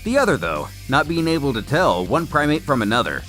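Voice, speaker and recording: A man's voice: medium pitch, sing-song, a little fast, over loud music. A man narrating a scripted story recap in a theatrical, wordy storytelling manner. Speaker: narrator of a comic recap series.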